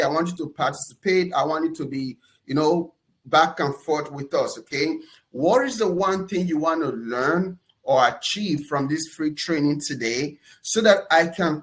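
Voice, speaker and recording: A man with a Nigerian accent hosting a live webinar, energetic and enthusiastic, often pausing on "uh" and ending points with "okay?". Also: fairly high pitch. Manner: energetic, enthusiastic shout-outs; fillers and repeated "okay?". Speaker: webinar host.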